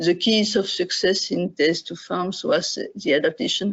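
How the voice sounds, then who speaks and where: A woman speaks with a French accent. Her pitch is fairly low. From Belgium (French-speaking). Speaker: researcher. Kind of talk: presentation. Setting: online video call. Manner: hesitant, many filler sounds.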